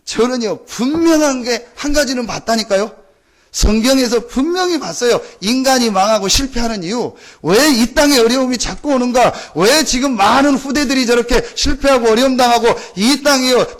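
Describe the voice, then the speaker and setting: High-pitched, intense male preacher. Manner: intense, emphatic, earnest; repetitive rhetorical questions to listeners.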